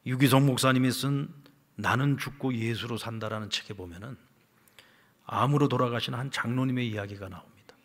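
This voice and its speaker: A male pastor delivering a sermon, telling a story that swings from loud, emphatic lines down to hushed, whispered ones. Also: medium pitch, brisk, in a large hall. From South Korea. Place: church sanctuary.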